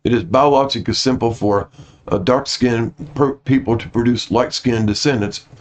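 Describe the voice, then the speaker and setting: A man reading aloud to his viewers in an informal way, stumbling over some words and correcting himself. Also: mid-range voice. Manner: apologetic about his pronunciation. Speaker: host reading out notes to viewers. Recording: dull lo-fi audio.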